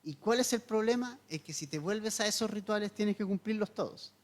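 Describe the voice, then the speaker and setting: This pastor talks a little fast in a high-pitched voice as he goes through a passage verse by verse, explaining earnestly, putting questions to listeners and restating key ideas.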